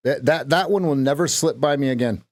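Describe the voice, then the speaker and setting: A man's voice: mid-range voice, brisk, dry recording. A man hosting a live day-trading stream, chatting with viewers and repeating phrases as he watches the market.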